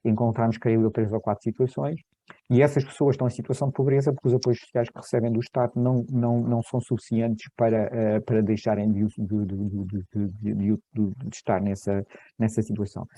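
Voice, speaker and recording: Very dark-voiced hesitant male researcher. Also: on the low side, little pitch movement, fairly quick, dry recording. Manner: hesitant, many repeated words and restarts. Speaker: researcher presenting his study. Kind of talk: academic seminar talk.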